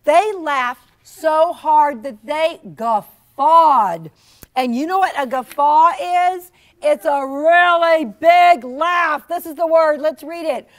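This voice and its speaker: Woman, high pitch, slow pace, animated story reading, teacherly, interactive. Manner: animated, theatrical, teacherly with prompting questions. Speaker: storyteller reading own children's book to a class. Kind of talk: interactive children's read-aloud.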